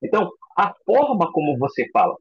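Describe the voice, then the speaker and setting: A man teaching a recorded psychoanalysis lecture in an expressive way, acting out example voices. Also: high voice, brisk, husky, no echo, highs cut off. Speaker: psychoanalysis instructor.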